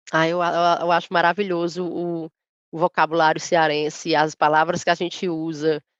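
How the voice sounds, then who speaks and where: At a moderate pace, a woman talks in a monotone, flat intonation, the sound dry and close with no echo. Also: fairly low pitch for a woman. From Ceará, Brazil. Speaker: content creator. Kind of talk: casual chat.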